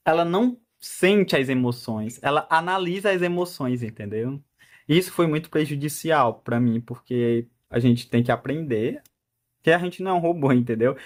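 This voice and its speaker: A talkative young man in his twenties with a Brazilian accent, his voice sitting a bit higher than most men's. He rambles through a casual personal monologue, cutting himself off and restarting mid-thought. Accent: Brazilian Portuguese. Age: 20s. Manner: talkative and rambling, with self-interrupting restarts and frequent laughs. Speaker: vlogger.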